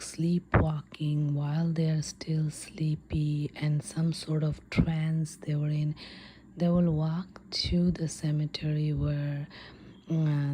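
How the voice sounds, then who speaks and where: A woman telling an ASMR story in a soft, breathy whisper, hesitant and unscripted, with pauses. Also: low-pitched, slight background noise.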